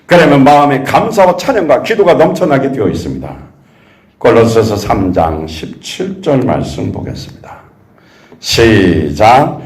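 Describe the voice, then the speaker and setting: Animated male pastor preaching in echoey church. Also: medium pitch, measured pace. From South Korea. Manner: animated preaching with rhetorical questions to the congregation. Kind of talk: sermon. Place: church sanctuary.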